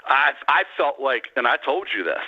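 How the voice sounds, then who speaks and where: A man in his sixties calling into a sports radio show over a landline phone, giving blunt, emphatic opinions in quick bursts. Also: mid-range voice, big pitch swings. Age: 60s. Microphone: landline telephone. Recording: dull lo-fi phone line.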